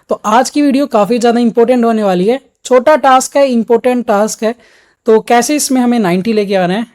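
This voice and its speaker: A man's voice: extremely high pitch, darkish tone. A man coaching students for an exam in an instructional video lesson, explaining each step directly to the viewer.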